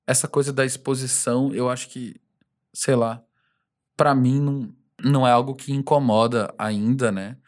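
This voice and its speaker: A male singer talking casually in an interview. He rambles freely, laughs often and slips into quick impressions of fans. His voice sits at an ordinary pitch. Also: fairly even intonation.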